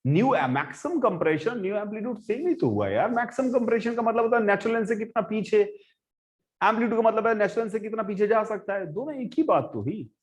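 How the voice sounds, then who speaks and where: A man lecturing a physics class, switching between quiet and loud talk as he works problems and speaks to his students. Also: high voice, fast. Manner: animated, swings between soft and loud, addresses students directly. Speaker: physics teacher.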